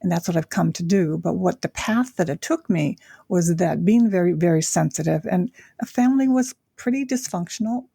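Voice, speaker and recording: Older woman guest from Japan, husky low voice, unhurried and reflective with many pauses, dry sound. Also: dark tone, no echo. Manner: reflective, with frequent pauses and fillers. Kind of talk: casual interview chat.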